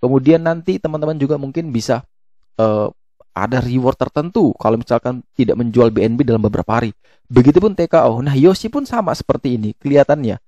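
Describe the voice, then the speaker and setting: A man's voice: medium pitch, expressive, mellow, no echo, muffled recording. A man giving a casual explainer as an online video host, often hesitating and correcting himself as he goes. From Indonesia. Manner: halting, with frequent hesitations and self-corrections. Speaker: YouTube host explaining crypto tokens. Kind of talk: casual explainer, walking through a web page.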